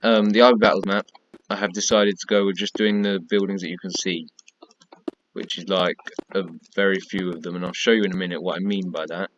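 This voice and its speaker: A very low-pitched man whose voice is worn and tired, chatting through a building tutorial in a casual, repetitive way. The sound is dull and lo-fi, with faint keyboard and mouse clicks in the background. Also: flat delivery, fairly quick, fairly bright tone, slight background noise. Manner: chatty, repetitive counting and pointing while building. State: tired, losing his voice. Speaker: gaming tutorial creator.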